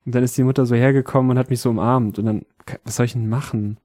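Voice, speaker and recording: Sheepish, hushed man in improv comedy. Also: mid-range voice, steady tone, fast talker, no echo. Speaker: improv performer.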